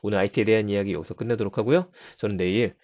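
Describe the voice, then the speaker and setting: A slightly hoarse man hosting a daily IT news show, chatting casually with listeners and explaining with asides. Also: fairly low pitch, fairly even intonation, very fast, a little mellow, dry recording, lo-fi sound. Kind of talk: casual spoken IT news commentary.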